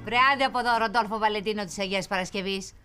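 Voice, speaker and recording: A woman's voice: mid-range voice, steady tone, bright, forceful tone, soft background music, natural voice. An actress playing a sweet, doting older mother-in-law in a TV comedy, fussing and soothing. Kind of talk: TV comedy acting.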